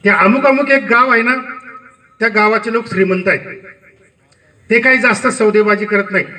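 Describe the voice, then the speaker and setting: A man's voice: high voice, moderate pace, bright, forceful tone, recorded from a distance, rough recording. A man voicing an old cap seller, a tired father patiently explaining the tricks of his trade to his son. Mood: advising.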